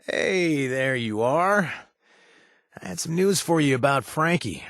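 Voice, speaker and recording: An actor voicing a gentle, awkward ex-raider companion in a video game, talking haltingly with many fillers and restarts. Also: male voice, a little high, expressive, no room sound, studio quality, full character voice. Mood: resigned. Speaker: companion character.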